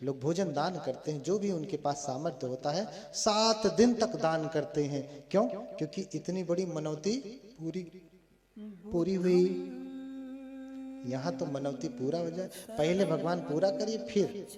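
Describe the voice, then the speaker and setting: A man's voice: fairly high pitch, unhurried. A Buddhist monk telling a story as a sermon. He keeps asking his audience questions. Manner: animated storyteller who addresses the audience with questions. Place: large hall with a live audience. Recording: echoey hall with faint music.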